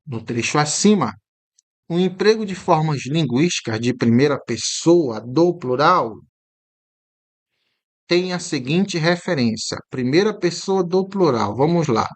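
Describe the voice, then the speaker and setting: A man teaching an exam-prep lesson with a somewhat raised voice. He talks in a chatty, emphatic way, keeps checking in with the viewer with little tag questions, and says key words slowly and more than once to show how they sound. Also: fairly high pitch, expressive.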